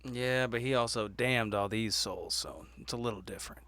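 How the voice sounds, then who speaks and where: A man's voice: mid-range voice, moderate pace, a bit bright, slight background noise. A man playing a tabletop game, telling things casually in an irreverent, sweary, comic way.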